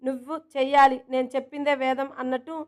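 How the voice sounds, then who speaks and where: A woman's voice: high voice, little pitch movement, close to an everyday voice. A woman voicing a cheeky young office girl. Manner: quick, cheeky, pouting. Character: playful, headstrong young woman office worker.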